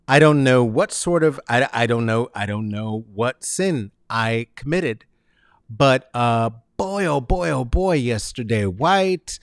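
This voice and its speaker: A man hosting his own web show, giving a theatrical comedic monologue into a close studio mic, swinging from soft asides to loud sing-song bursts. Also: mid-range voice, no echo. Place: home studio with posters and guitar. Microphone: large studio mic on stand, close.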